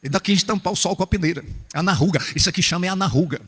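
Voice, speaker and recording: A Brazilian man preaching a humorous, animated sermon to church workers, acting out little scenes as he goes. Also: high voice, rapid-fire, husky, big-room sound. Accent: Brazilian Portuguese.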